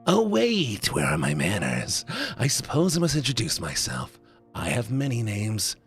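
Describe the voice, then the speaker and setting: A man voicing a smooth, flirtatious and sinister self-styled king, with theatrical, velvety courtesy, for a visual novel. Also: lowish voice, huge pitch swings, moderate pace, faint music behind. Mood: charming. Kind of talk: visual novel voice acting on a stream.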